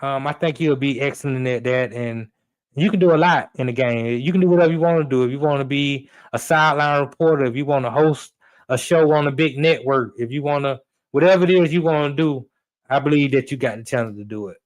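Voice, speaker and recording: A man's voice: mid-range voice, a little fast. Man telling stories casually. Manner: relaxed, conversational, with frequent fillers and repeats. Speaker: podcast guest, sports radio producer and host. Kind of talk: casual storytelling chat.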